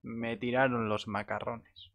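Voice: mid-range voice, flat delivery, a little slow, a bit bright, lo-fi sound. A game streamer with an accent from Spain, chatting casually on a live stream. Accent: Spanish, from Spain. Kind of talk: casual gaming stream chat.

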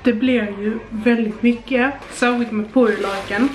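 A woman's voice: fairly high pitch, steady tone. A young woman in her twenties chatting casually as she cooks, explaining each step with plenty of fillers. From Sweden. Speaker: vlogger. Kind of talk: casual cooking vlog. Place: small home kitchen indoors. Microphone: camera on the counter a little way off. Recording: echoey kitchen, camera mic from a distance, audible noise.

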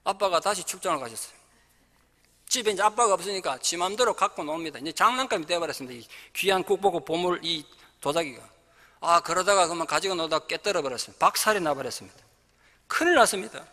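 A middle-aged male pastor delivers a sermon in a very high, bright, ringing voice. He tells a story vividly, switching into the voices of its characters and rising to firm exhortation. His voice carries a long church reverb. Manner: storytelling, acting out dialogue of characters. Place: church sanctuary.

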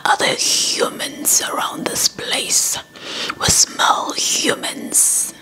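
A woman's voice: drawn-out words, sharp tone, rough recording. A woman whispering the part of a hungry, suspicious dragon in an ASMR folktale. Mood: menacing, searching.

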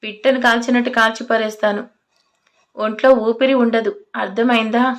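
A woman voicing a furious, fearless male police officer who shouts threats. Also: a little high, level tone, normal speed, lightly acted.

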